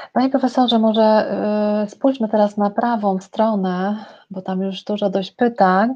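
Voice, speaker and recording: The voice is an ordinary speaking voice. Its tone moves in a fairly even line. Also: woman, fairly high pitch for a woman, fairly slow pace. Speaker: live Q&A moderator. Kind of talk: reading viewer questions. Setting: live stream. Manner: warm, friendly.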